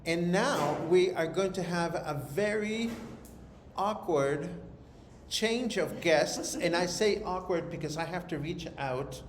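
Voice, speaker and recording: A man's voice: high voice, slow pace. A man hosting a live interview show, playful and chatty, drawing out his phrases. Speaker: talk show host. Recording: echoey room with background noise.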